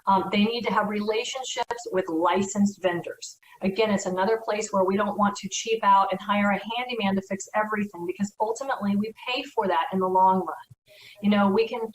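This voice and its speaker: A woman's voice: medium pitch, steady tone, brisk. A woman, a real estate broker, giving earnest, conversational advice in an educational talk. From United States. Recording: echoey room, from far off.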